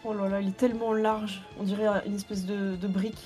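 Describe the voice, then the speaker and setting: Female tabletop player, mid-pitched voice, casual game chat, faint music behind. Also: flat delivery, a little fast, warm tone. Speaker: role-playing game player.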